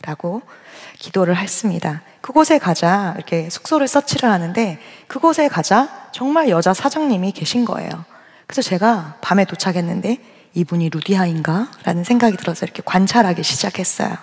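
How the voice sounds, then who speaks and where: A woman's voice: mid-range voice, lively intonation, a little fast, breathy edge. A woman pastor preaching a sermon built around personal testimony, chatting with the congregation and asking them questions directly. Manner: acts out her own side of dialogues in quotes. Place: large church sanctuary. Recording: long reverb of a large church hall.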